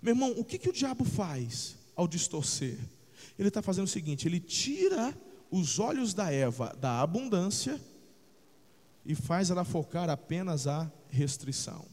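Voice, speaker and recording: A man pastor preaching a sermon, swinging between shouts and low, intense passages, calling the listeners "brother" and checking that they follow. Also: big pitch swings, moderate pace, big-room sound.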